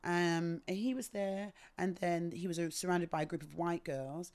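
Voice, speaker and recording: This is a lower-voiced woman from England who speaks with a British accent. She is a guest in a relaxed conversation and tells her stories articulately and with plenty of expression. Her delivery is animated and engaged. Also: normal speed. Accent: British English. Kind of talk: casual conversation.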